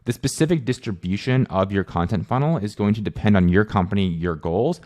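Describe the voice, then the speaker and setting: Male video host, low voice, informal and conversational, explaining in a casual style. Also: brisk, darkish tone. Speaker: host, content agency owner.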